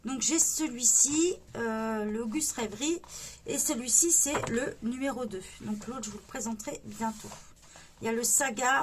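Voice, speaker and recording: A woman's voice: on the high side, slight background noise. A woman casually flipping through a coloring book for her channel, chatty and enthusiastic with frequent fillers.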